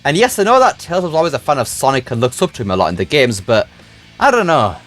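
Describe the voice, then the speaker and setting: A man's voice: mid-range voice, very animated, fast, a bit bright, soft background music. A man giving a scripted but conversational film review as a video host, with casual, opinionated phrasing.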